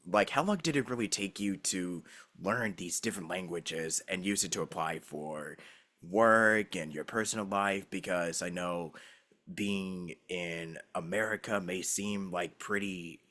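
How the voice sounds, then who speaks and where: A man's voice: sits low, a little slow, bright, forceful tone. A young man hosting an interview, laid-back and chummy, laughing often as he chats. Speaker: podcast host. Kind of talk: casual interview chat.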